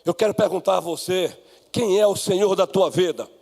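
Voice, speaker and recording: Fiery high-pitched Brazilian pastor preaching. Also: male voice, normal speed, gravelly. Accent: Brazilian Portuguese. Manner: emphatic preaching, swings from soft asides to shouted exclamations; leads the congregation in reading aloud together. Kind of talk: expository sermon. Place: church sanctuary. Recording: long reverb of a church hall.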